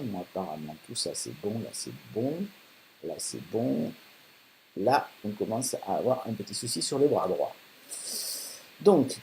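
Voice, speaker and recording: Male tutorial host, casual and chatty, low voice with animated pitch, desktop mic with light hiss. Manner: chatty, thinking aloud with many fillers. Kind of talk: casual screen-recorded tutorial. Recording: faint hiss.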